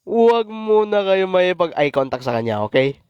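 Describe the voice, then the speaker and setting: A man's voice: high voice, sing-song, normal speed, clean tone, dull audio. A man voicing a flustered teen boy. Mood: exasperated. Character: exasperated teenage boy, nervous and sarcastic. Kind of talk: fan dub parody.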